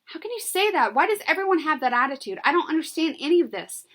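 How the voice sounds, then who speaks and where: A woman's voice: animated, lightly acted. Woman doing a whiny, dramatic teenage girl. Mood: whiny upset. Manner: high, fast, complaining outbursts.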